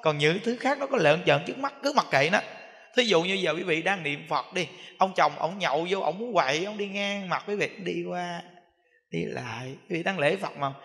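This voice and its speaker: A man speaking as a Buddhist monk giving a dharma talk with a southern Vietnamese accent, animated and repetitive, acting out everyday examples. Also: high voice. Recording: echoey hall.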